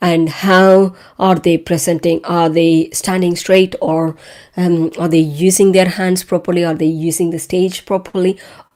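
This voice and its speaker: On a very clean recording with a silent background, a woman with a non-native accent speaks at a fairly slow pace in a fairly low pitch with monotone, flat intonation. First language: not English. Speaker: public speaker. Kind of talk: casual talk to camera. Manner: hesitant, filler words.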